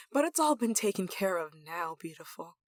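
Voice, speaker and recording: A woman playing an obsessive, possessive lover in an intimate ASMR roleplay, sweetly menacing and breathy. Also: mid-range voice, dry recording, clean studio sound. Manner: breathy sighs and chuckles, dropping to whispers.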